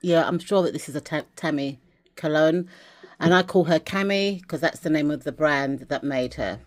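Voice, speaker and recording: Low-voiced english woman chatting about her stuff, rambly, restarts a lot. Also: normal speed. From England. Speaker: vlogger. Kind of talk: casual chat, showing dolls and journal.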